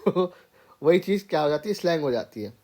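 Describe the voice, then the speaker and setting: High-voiced man teaching a grammar lesson. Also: expressive, moderate pace, a little mellow. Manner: explains step by step, keeps checking in with "theek hai". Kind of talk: informal classroom lecture.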